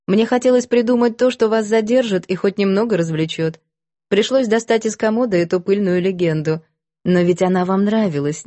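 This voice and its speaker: Woman narrator voicing a soft-spoken, meek old lady; gentle and warm. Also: mid-range voice, dry recording, lightly acted.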